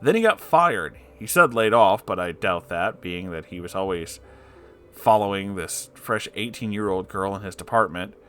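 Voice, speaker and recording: A man with a fairly low voice reads a personal story aloud as a narrator. His delivery is expressive and dramatic, and he is blunt and candid in the way he comments. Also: normal speed, a little hiss or hum. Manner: expressive, sweary, incredulous interjections. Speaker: narrator reading online stories aloud.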